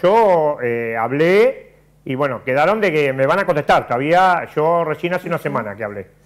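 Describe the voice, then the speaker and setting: The intonation here is lively. A man delivers his words at a moderate pace. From Argentina. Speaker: neighborhood community leader. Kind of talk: radio interview. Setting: studio.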